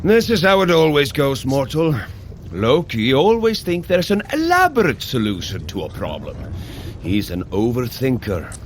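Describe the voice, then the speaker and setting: An actor playing a bold, earnest storm god in an audio adventure, speaking in a grand, formal, declamatory way. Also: male voice, medium pitch, huge pitch swings, normal speed, a little hiss or hum. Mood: grumbling. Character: Thor, bold, earnest male storm god, big brother. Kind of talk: scripted audio adventure acting.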